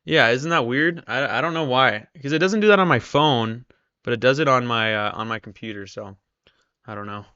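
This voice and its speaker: A man's voice: mid-range voice, moderate pace, sharp tone, clean tone, no echo, dull audio. A man hosting a casual live stream, chatting with viewers while losing his voice. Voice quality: strained, tired voice. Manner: chatty, reads viewer comments aloud. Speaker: live-stream trader host.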